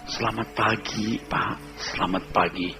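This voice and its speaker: A man voicing a young female office secretary who speaks softly and politely, with faint music in the background. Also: mid-range voice, steady tone, moderate pace, lightly acted. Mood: sweetly polite. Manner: soft, gentle, polite speech.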